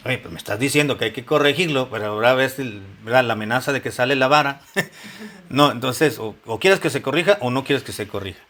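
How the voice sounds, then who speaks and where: A man's voice: medium pitch, fast talker, fairly bright tone, a little hiss or hum. A man teaching a Bible lesson to married couples, conversational, repeating himself and asking the congregation questions. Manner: conversational preaching with questions to the congregation and frequent repetitions. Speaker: pastor teaching a Bible study.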